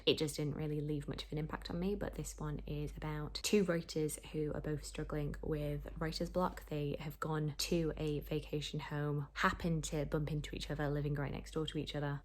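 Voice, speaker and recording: Young woman, low husky voice, casual vlog chat, rambling, self-deprecating. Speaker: book vlogger.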